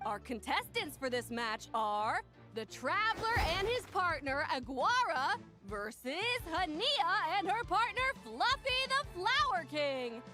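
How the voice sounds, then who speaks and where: A woman voicing a formal tournament announcer in a game, announcing in a measured way. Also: extremely high pitch, big pitch swings, music in the background, full character voice. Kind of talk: game voice acting.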